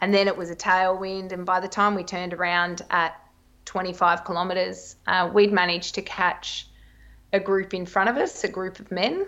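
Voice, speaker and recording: Against a quiet background, a speaker with an Australian accent talks at a moderate pace in a monotone, flat intonation. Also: woman, medium pitch for a woman. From rural Victoria, Australia. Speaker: elite distance runner and school teacher. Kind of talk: interview. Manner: articulate.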